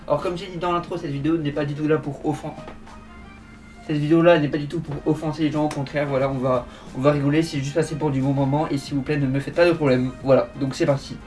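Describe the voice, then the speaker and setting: A man's voice: fairly high pitch, flat delivery, fast, a little mellow, soft background music. Informal male vlogger in an echoey room. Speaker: video creator, host. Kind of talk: casual comedy vlog talk. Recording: echoey, distant, faint background noise.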